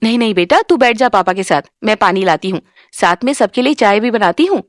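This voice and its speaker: A woman voicing a cruel, scolding middle-aged stepmother in an animated story. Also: medium pitch, a little fast, dry recording, studio quality, lightly acted. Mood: falsely sweet. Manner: scolding, sneering.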